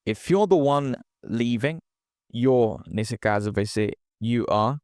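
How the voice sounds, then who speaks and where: A man's voice: medium pitch, slow pace, a little mellow, no room sound, studio quality. A man teaching English pronunciation in a casual online lesson, explaining step by step and often checking in with students.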